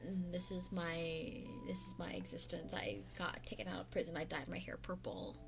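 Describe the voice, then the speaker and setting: A woman's voice: normal speed, vocal fry, over music. Woman putting on a goofy 53-year-old man. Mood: boastful silly. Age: 53 (figure). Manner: forced deep put-on voice.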